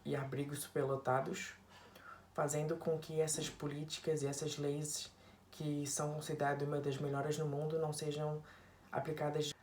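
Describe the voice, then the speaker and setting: A woman's voice: deep voice, a little mellow. A woman reading a prepared presentation, stopping on slipped words and starting them again. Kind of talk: read-out presentation. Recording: distant, echoey room with faint noise.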